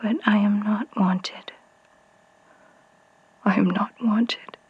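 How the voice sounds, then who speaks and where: A woman's voice: medium pitch, steady tone, dull audio, exaggerated voice. A woman playing a forlorn, yearning character in a whispered, solemn poetic monologue. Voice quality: breathy, whispering. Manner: slow, solemn, bleak.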